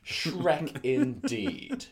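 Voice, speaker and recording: A man's voice: fairly high pitch, sing-song, drawn-out words. A man co-hosting a comedy podcast, making dry, sardonic remarks. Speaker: podcast co-host.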